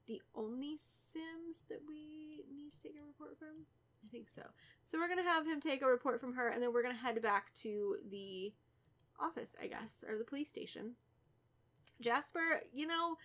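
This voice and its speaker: A woman's voice: fairly high pitch, a bit bright. Stuffy-nosed young woman playing a game. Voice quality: slightly raspy. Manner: chatty, teasing the game characters. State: stuffy nose from a cold. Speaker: gaming YouTuber. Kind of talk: casual let's play commentary.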